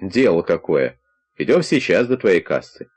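A man voicing a hoarse, contemptuous male criminal who threatens the listener, read in an audiobook. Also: deep voice, very animated, a little slow, a little mellow, heavily acted. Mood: threatening. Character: menacing drunk male criminal, gruff and threatening. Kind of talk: audiobook character voice.

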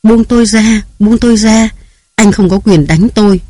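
A man's voice: high-pitched, moderate pace, a little mellow, no echo, voice pushed up. A man reading aloud who voices a frightened young wife, tearful and pleading. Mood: pained.

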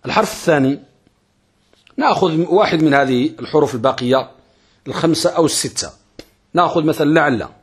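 Husky man teaching grammar. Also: medium pitch. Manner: explains step by step, asking and answering his own questions; chants verse slowly. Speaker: sheikh teaching Arabic grammar. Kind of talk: grammar lesson.

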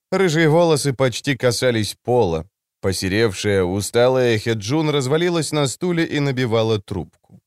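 A man narrating an audiobook in an expressive, wry storytelling manner. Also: medium pitch, no room sound, studio quality. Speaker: audiobook reader. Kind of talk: scripted narration.

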